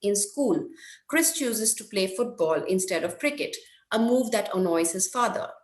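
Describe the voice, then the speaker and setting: A woman presenting an academic paper, reading it aloud in a measured, careful way. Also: medium pitch, expressive. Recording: echoey room.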